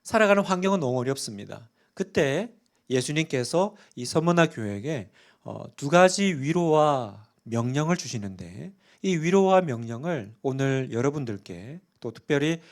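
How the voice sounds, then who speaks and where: A middle-aged male pastor gives an earnest sermon in a church sanctuary. His voice sits a little higher than most men's. He keeps turning to the congregation with questions. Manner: earnest preaching, often asks the congregation questions.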